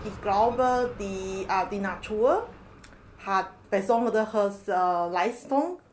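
A young woman from Taiwan speaks slowly and carefully as a podcast guest. She hesitates often, fills pauses with small sounds and searches for her words. Her pitch sits in an ordinary middle range. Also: noisy background. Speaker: podcast guest, master's student. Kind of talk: casual podcast interview.

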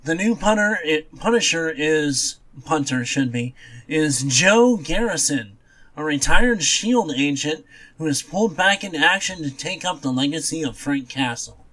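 A man's voice: fairly high pitch, expressive, measured pace, sharp tone, rough recording. A man co-hosting a podcast in casual, blunt chat about comics, dismissive and given to offhand swearing. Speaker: podcast co-host.

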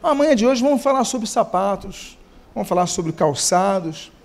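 A man's voice: sits high, lively intonation, moderate pace, gravelly. A male pastor with a Brazilian Portuguese accent, giving a humorous, conversational sermon to his congregation in church.

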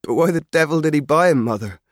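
A man's voice: on the high side, quick pace, no echo, clean studio sound, voice pushed up, lightly acted. A man voicing an eager, earnest thirteen-year-old farm boy in a storybook reading. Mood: defiant. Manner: excited, gentle, earnest. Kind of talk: audiobook character voice.

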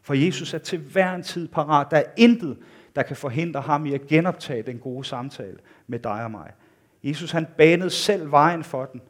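A man preaching a sermon in an earnest, intimate way, his voice rising for emphasis and dropping quiet at the ends of thoughts. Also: on the high side.

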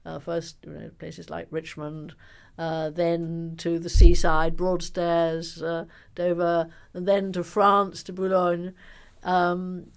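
An older woman speaks with a gravelly, slightly creaky voice. She tells her story with animated emphasis and pauses on ums as she recalls details in a conversational interview. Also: fairly low pitch. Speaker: biographer and author being interviewed.

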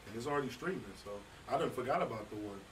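A man's voice: medium pitch, expressive, rapid-fire, recorded from a distance, slight background noise, low-quality recording. A man, a recording artist, telling a casual story in conversation in a loose, slangy way with many restarts.

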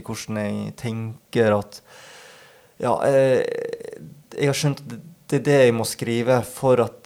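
A man, an author and podcast guest, speaking in a thoughtful, halting way and often searching for his words. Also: mid-range voice, a little mellow. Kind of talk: reflective interview talk.

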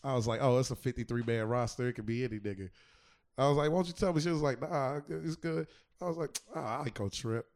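A comedian in casual chat, telling a story slowly with fillers and pauses. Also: male voice, mid-range voice. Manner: relaxed storyteller, trailing off with fillers.

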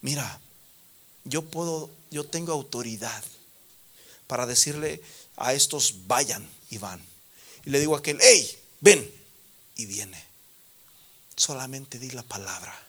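A man voicing a humble Roman officer, speaking softly and respectfully. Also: medium pitch, expressive, slow pace, long pauses, voice pushed down. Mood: humble entreating. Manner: soft, hushed and respectful.

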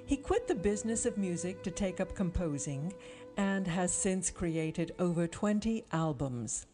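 A woman hosting an interview show, speaking in a measured, articulate presenter's manner. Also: fairly low pitch. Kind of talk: scripted introduction and interview.

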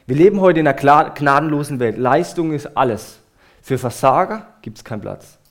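A man preaching a sermon, earnest and emphatic, speaking straight to his listeners and letting many phrases fall quiet at the end. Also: on the high side, expressive, moderate pace.

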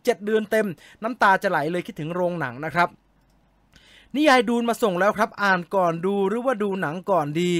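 Man, high voice, bright tone, casual stream chat, reads comments aloud, joking, close mic. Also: fairly quick, no echo. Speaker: live stream host reading viewer comments.

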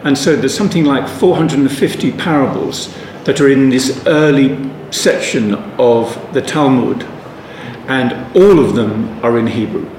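The room is echoey, with faint ambient noise, as a man teaches an unscripted Bible study. His medium-pitched voice is a little mellow and a little slow, and he rambles thoughtfully, frequently restarting and adding asides.

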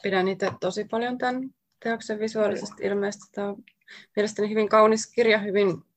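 A woman author reading her own poetry aloud in slow, deliberate short lines. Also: mid-range voice, flat delivery, no echo.

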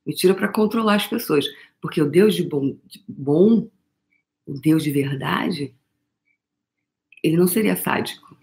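This middle-aged woman has a low, darkish voice and a Brazilian Portuguese accent. She is a motivational coach giving a live talk, speaking emphatically, often calling the listener "meu amor," and swearing now and then.

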